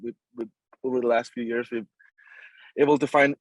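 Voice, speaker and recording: A man's voice: medium pitch, steady tone, brisk, no echo, rough recording. A man from Nepal, a construction company chief, answering interview questions casually, with many fillers and restarts and a polite "yes, sir". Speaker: construction company CEO, guest.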